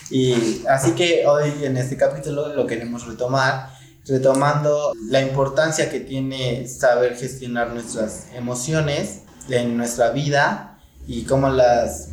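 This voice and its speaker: Calm man in an echoey room. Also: mid-range voice, unhurried, a little hiss or hum. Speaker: podcast host. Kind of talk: casual podcast chat.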